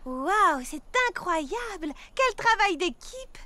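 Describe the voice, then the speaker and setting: A woman's voice: very high-pitched, big pitch swings, slow pace, heavy background noise, exaggerated voice. A woman voicing an eager, sweet cartoon girl in a children's cartoon dub. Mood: excited, friendly. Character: excitable, high-voiced little cartoon girl, eager and sweet. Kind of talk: French children's cartoon dubbing. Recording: loud children's music behind the voice.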